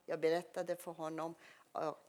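A woman's voice: low voice, completely flat delivery, noisy background. Woman telling her story in learner Swedish. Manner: earnest, emotional storytelling in simple learner Swedish. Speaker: testimony speaker. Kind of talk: personal testimony.

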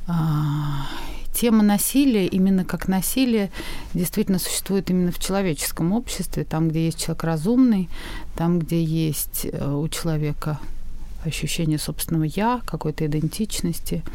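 A woman, a guest on a podcast interview, explaining her views in a thoughtful, measured way with frequent hesitations. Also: sits low, warm tone.

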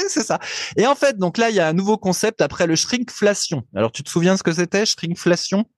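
Man, podcast co-host, slightly high voice, talkative explainer, dry close-miked sound. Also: very animated, quick pace, no room sound. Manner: chatty, explanatory, laughs easily. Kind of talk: casual chat.

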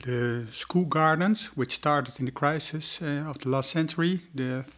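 A man's voice: fairly high pitch, a bit bright. Dutch man in his fifties. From Netherlands. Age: 50s. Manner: halting, searching for words. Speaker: guest, nature organization program head. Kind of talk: conversational explanation.

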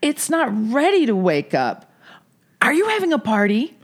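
A woman's voice: high voice, huge pitch swings, moderate pace. A woman voicing a grouchy, sleepy tortoise in a children's audio story, sighing and grumbling sluggishly. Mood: drowsy, confused.

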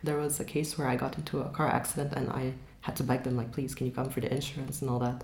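A woman's voice: a bass voice, fast talker. A young woman from Dubai, a guest talking frankly and casually in an interview, full of fillers. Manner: relaxed, frank, many fillers. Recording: roomy echo, faint background noise.

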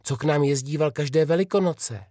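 A man reading a children's storybook, voicing an eager, lively young princess. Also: fairly high pitch, no echo, clean studio sound, pitched above the performer's own voice, lightly acted. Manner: excited, eager.

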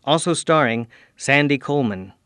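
A man reading scripted narration for an audio drama in a measured, descriptive manner. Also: medium pitch, animated, sharp tone, smooth, no echo, studio quality.

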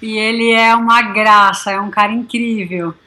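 A woman's voice: mid-range voice, fairly even intonation, moderate pace, bright, forceful tone. A woman from Brazil with a Brazilian Portuguese accent, cheerfully telling stories of her cycling trip in a casual interview. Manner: cheerful, enthusiastic storytelling. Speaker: touring cyclist guest.

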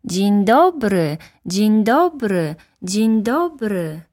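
A woman voicing a mountain echo that repeats words slowly and trails off in a storybook reading. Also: medium pitch, sing-song, darkish tone, pitched above the performer's own voice, heavily acted. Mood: hollow, fading.

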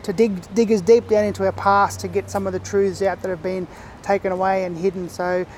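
A man from Victoria with an Aboriginal Australian accent, explaining things reflectively in casual interview talk, often pausing mid-thought. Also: sits high, flat delivery, a little mellow, slight background noise. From Far East Gippsland, Victoria, Australia. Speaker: interview guest.

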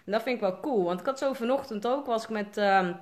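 A woman's voice: on the high side, fast. Woman, Dutch accent, casual livestream chat, rambling, lots of fillers. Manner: chatty, rambling, many fillers. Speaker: coach. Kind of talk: casual live video chat.

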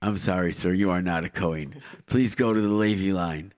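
A man's voice: low voice, moderate pace, a little mellow, pitched below the performer's own voice, close to an everyday voice. A man voicing an officious airline check-in announcer, formally sorting passengers with mock-official instructions.

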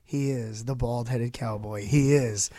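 A male radio host, hoarse from losing his voice, hyping up his show with joking, showy banter in a studio. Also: mid-range voice, steady tone, mellow, dry recording. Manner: showy, joking, rapid riffing introductions. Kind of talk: playful, hyped radio banter. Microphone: studio microphone.

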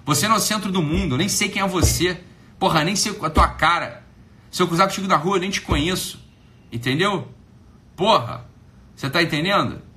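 A man's voice: high-pitched, brisk, pushed and bright. A Brazilian man hosting a livestream, scolding a critic in a mocking, profane rant. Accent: Brazilian Portuguese. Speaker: livestream host.

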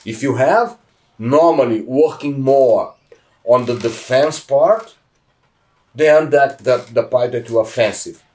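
A man's voice: mid-range voice, takes it slowly, darkish tone, distant mic. A middle-aged Brazilian man, a jiu-jitsu black belt, telling stories in emphatic, broken English with a heavy Brazilian accent. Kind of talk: casual interview.

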